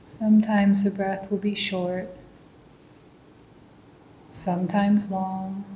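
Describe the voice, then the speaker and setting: A woman meditation teacher leads a guided session, giving calm, gentle instructions at a slow pace. The recording has a roomy echo and a faint low rumble.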